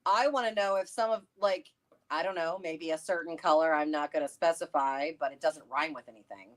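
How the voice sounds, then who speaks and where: A woman chatting casually and excitably, theorizing and thinking aloud as co-host of a livestream. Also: sits low, a little fast. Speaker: co-host of a book read-along livestream. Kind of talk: casual chat, theorizing about a fantasy novel.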